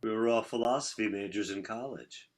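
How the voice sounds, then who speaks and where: A man's voice: lowish voice, fairly quick, lightly acted. A man playing an earnest, bookish rock musician who explains ideas in a conversational play reading. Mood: matter-of-fact. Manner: explanatory, intellectual. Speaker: actor in a staged reading.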